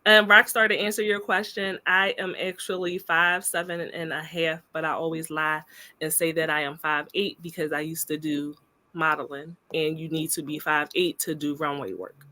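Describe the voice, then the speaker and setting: Young woman co-host, bright and forceful, laughs a lot, casual panel chat. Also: deep voice, flat delivery, normal speed. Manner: laughs often, talks directly to the comments. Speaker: podcast co-host.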